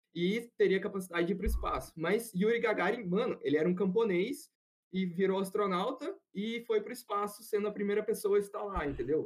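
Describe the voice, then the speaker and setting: A high-pitched man at a fairly quick pace, with ordinary pitch variation. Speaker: engineering student. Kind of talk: casual chat.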